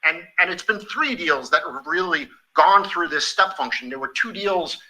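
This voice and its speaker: A man with a very bright, sharp voice set a little high, speaking as a company executive on an earnings call. He is emphatic and enthusiastic, and sometimes halts and repeats himself as he builds his answer. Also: animated, normal speed, low-quality recording.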